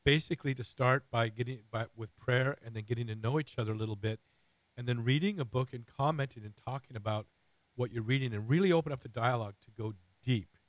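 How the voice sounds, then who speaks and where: Hoarse, raspy middle-aged male radio host. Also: mid-range voice, fast talker, dry recording, poor audio. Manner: earnest, rambling with many fillers and restarts.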